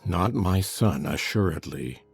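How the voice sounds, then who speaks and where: A man voicing a grim, sneering middle-aged master of the house, speaking slowly and coldly. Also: low voice, animated, vocal fry, slightly rough, soft background music, voice pushed down, exaggerated voice. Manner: slow, cold, mocking.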